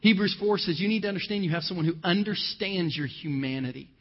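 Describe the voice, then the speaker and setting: An Ohio pastor with a high-pitched, husky voice preaches a sermon in church, talking fast. He mixes scripture readings with conversational personal stories, and the recording sounds dull and lo-fi with long hall reverb.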